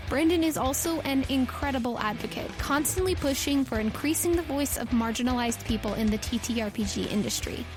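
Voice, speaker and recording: A woman, hosting and narrating a tabletop game as game master. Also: fairly high pitch. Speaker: game master and podcast host. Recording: loud music under the voice. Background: music.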